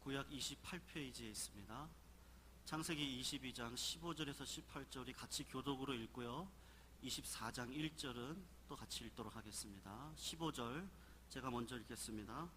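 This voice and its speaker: A man reading scripture aloud in church, announcing verses and leading the reading in a measured, formal cadence. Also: medium pitch, pushed and bright, a little hiss or hum. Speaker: scripture reader. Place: church sanctuary.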